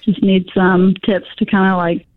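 A young woman calls in, and her voice comes through a narrow, tinny phone line with a dry, close sound. She has an ordinary mid-range pitch and speaks in a casual, hesitant way, often pausing on "um" and "like". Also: little pitch movement, no room sound. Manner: hesitant, with many fillers like "um" and "like". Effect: heard over a phone line. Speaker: caller. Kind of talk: casual call-in chat.

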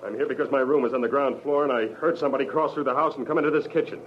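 A man's voice: mid-range voice, racing, close to an everyday voice. An actor playing a hostile, jealous, defensive man in a 1940s radio drama, curt and agitated. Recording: muffled old radio recording, faint hiss.

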